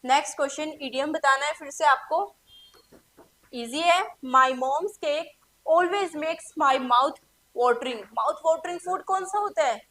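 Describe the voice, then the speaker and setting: An Indian woman with a high voice teaches an English exam class. She reads the English sentences out slowly and carefully, then explains them in quicker asides, mixing Hindi and English. She keeps asking questions and answering them herself. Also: fairly bright tone. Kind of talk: exam-prep lesson.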